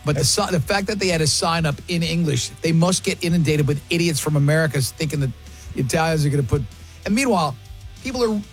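A man's voice: a little high, quick pace, soft background music. A man hosting a radio show, joking and opinionated in studio banter.

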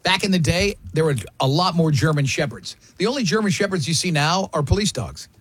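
A man's voice: on the high side, animated, brisk, fairly bright tone. Joking, opinionated radio host man. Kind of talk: morning radio banter.

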